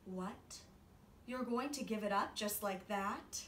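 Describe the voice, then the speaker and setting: A woman's voice: medium pitch, slow pace, distant mic, natural voice. Woman acting an exasperated, firm storybook mom. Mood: weary, firm. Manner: ordering, haggling, weary. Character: exasperated, firm mother of a young boy. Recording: roomy, off-mic, faint noise.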